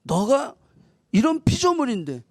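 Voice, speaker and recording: This female pastor's sermon feels like a conversation: quiet asides give way to loud, forceful outbursts, and she performs playful mock quotations. Her high voice moves through big pitch swings at a slightly slow pace, captured cleanly in a studio with no echo.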